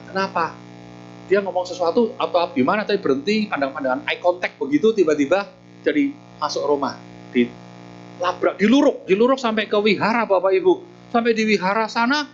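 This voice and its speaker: A man's voice: high-pitched, brisk. Male preacher, chatty storytelling sermon, slightly dull sound, faint guitar behind. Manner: lively, chatty, with frequent tag questions. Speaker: Buddhist preacher.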